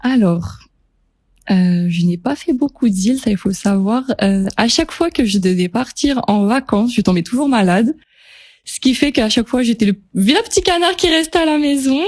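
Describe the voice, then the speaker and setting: A young woman in her twenties talks in a relaxed, chatty way with many small hesitations. Her voice is mellow and warm. The sound is close and dry, as in a radio studio. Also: on the high side, moderate pace, dry recording. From French Polynesia. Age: 20s. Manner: relaxed, chatty, laughs easily, frequent hesitations. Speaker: pageant contestant guest. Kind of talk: casual radio interview.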